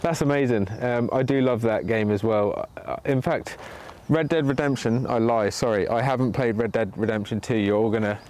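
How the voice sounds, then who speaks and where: A man's voice: mid-range voice, normal speed, few pauses, a little mellow, slight background noise. Chatty man hosting a woodland livestream. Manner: chatty, reads out viewer comments while demonstrating. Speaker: bushcraft livestream host. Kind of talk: casual live commentary while working. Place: sunny woodland outdoors. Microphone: camera pointing down at his hands.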